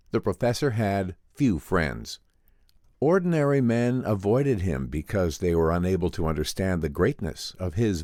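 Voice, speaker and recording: A man narrates classic science fiction in a low, dry-recorded voice. His delivery is earnest and theatrical, with animated rises and falls. The phrasing is formal and scripted, like an audiobook dramatic reading. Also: no echo.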